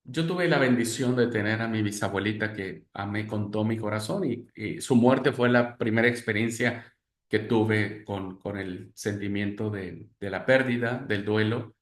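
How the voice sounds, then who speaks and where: In a roomy-sounding space, a man with a lowish voice speaks at normal speed. He teaches a class on Christian spirituality in a preaching manner, addressing listeners as brothers and acting out the voices he quotes.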